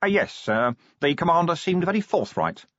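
A man's voice: fairly high pitch, sing-song, moderate pace, a bit bright, no room sound, lo-fi sound, voice pushed up. A man voicing a deferential, formal male clerk, polite and understated, in an audiobook. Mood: discreet, deferential.

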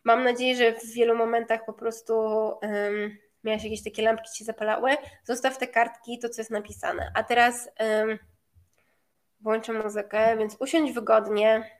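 A woman's voice: a little high, flat delivery, normal speed. A woman leading a guided meditation and motivational talk as a coach, speaking informally and directly to her listeners.

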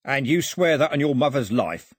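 Guy doing a husky mean crook, sarcastic bully, mocking, storybook villain. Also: mid-range voice, animated, normal speed, dry recording, clean studio sound, voice pushed up. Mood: demanding. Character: menacing, sneering male criminal, cunning and mocking.

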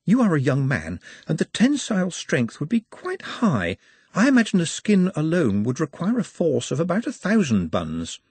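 A man voicing a polite, precise male orc who stays menacingly calm and speaks in formal, pedantic phrases. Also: on the high side, normal speed, husky, dry recording, pitched above the performer's own voice, heavily acted. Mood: calmly menacing.

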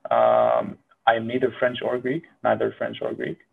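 A man's voice: medium pitch, big pitch swings, normal speed, gravelly, slightly rough, phone-quality sound. Rambling young man with a Syrian accent. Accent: Syrian Arabic. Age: early 20s. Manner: rambling, filler-heavy, self-deprecating. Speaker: medical student vlogger. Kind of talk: casual monologue.

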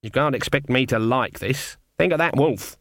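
A man's voice: mid-range voice, moderate pace, fairly bright tone, no room sound, clean studio sound, natural voice. A man voicing a stern, gloomy old woman witch, terse, weighty and disapproving, in an audiobook. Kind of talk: audiobook character voice.

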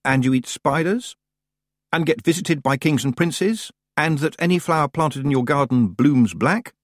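A man voicing a sharp, curious young witch girl in an audiobook, earnest and questioning. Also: on the high side, lively intonation, moderate pace, dry recording, clean studio sound, voice pushed up, lightly acted. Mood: puzzled, hesitant. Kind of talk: audiobook character voice.

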